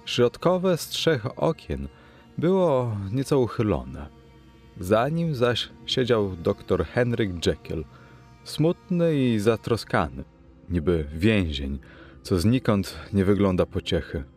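A man narrates a classic novel in a measured, expressive reading. His voice is very deep and lively in intonation, with soft music under it.

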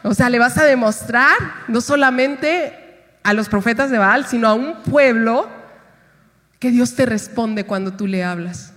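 A woman's voice: a little high, a little slow, a bit bright. A woman pastor preaching a sermon, retelling a scripture story and acting out its voices. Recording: long reverb of a hall.

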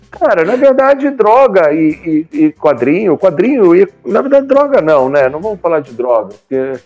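A man's voice: sits high, big pitch swings, moderate pace, lo-fi sound, soft background music. A man in his fifties with a Brazilian accent, talking casually and at length as an interview guest, often tagging his points for agreement. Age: 50s. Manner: talkative, colloquial, often seeks agreement with tag questions. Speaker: guest, comics publisher. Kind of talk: casual conversational interview talk.

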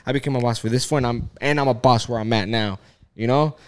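A man's voice: mid-range voice, quick pace, clear, resonant tone. A man in his thirties in a casual chat, rambling along with lots of swearing and filler words. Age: 30s.

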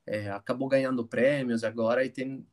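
A man from Italy, a guest in a casual conversation, who talks haltingly with many restarts and unfinished phrases. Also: medium pitch, fairly even intonation, a little mellow. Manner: hesitant, full of restarts and trailing phrases. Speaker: interview guest.

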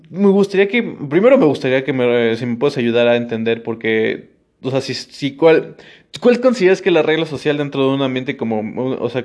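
A man's voice: medium pitch, a little mellow. A man hosting a podcast, thinking aloud in a rambling way, full of fillers and tag questions to the listener. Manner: addresses the listener directly with frequent tag questions. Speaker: podcast host. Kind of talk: casual podcast monologue.

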